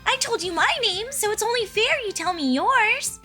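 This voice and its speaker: A woman's voice: very high voice, expressive, normal speed, over music. A woman voicing a chirpy, oblivious young girl trainer with a bubbly, bluntly condescending manner in a comedic cartoon fan dub. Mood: cheerful, chatty.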